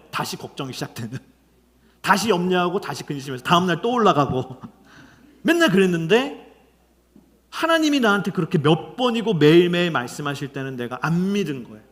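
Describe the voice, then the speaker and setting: Animated male pastor preaching. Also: sits high. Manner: storytelling with many acted quotes, swinging from loud to near-whisper. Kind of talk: sermon. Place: church sanctuary.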